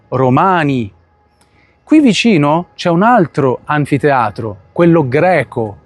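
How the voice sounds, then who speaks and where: Man teaching outdoors, higher voice. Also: dry recording. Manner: switches between Portuguese and Italian, spells out sounds slowly. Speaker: Italian teacher. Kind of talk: outdoor language lesson. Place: outdoors in a town. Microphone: phone recording.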